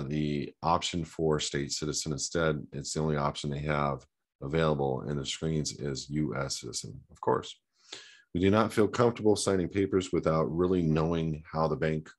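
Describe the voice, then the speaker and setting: A man hosting a show, reading out a viewer's question and then answering it in loose, casual talk with many fillers. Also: rumbling low.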